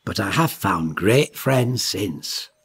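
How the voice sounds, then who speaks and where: Man as a husky, kindly cartoon fellow. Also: on the low side, expressive, slow pace, full character voice. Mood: tender. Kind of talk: comedy cartoon voice acting.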